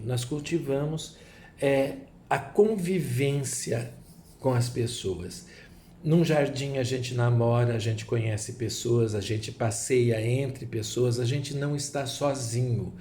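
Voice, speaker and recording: A man's voice: medium pitch, slow, mellow, slight background noise. A man with a Brazilian Portuguese accent explaining Lenormand cards in a rambling way, full of asides and rhetorical tags. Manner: digressive, many asides and rhetorical "né?". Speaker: tarot reader.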